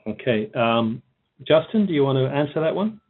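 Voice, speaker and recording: A man answering questions as a company executive on an earnings call, halting and repeating words as he goes. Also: medium pitch, lively intonation, a little hiss or hum. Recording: tinny narrowband phone line.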